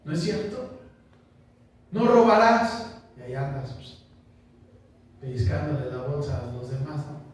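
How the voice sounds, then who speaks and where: A pastor preaching a conversational sermon, asking the congregation questions and joking with them. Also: male voice, medium pitch, normal speed, pauses often, dark tone. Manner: chatty, asks the congregation questions, jokes. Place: small church. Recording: echoey church room, distant mic, faint noise.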